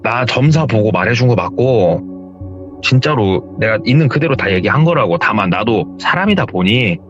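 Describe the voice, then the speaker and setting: A man voicing a cornered shaman who explains herself slowly and defensively in a retold horror story. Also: lowish voice, expressive, fairly bright tone, muffled recording, faint music behind. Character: cornered fortune-telling shaman, defensive and calm.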